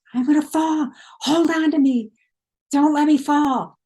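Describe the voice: In a put-on character voice, a woman speaks high-pitched at a moderate pace, with monotone, flat intonation and very even loudness.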